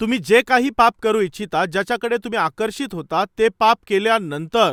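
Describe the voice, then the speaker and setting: A raised, projected voice with a bright, sharp tone sounds dry and close with no echo in a very clean recording with a silent background. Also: man. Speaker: preacher. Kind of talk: sermon, preaching to congregation.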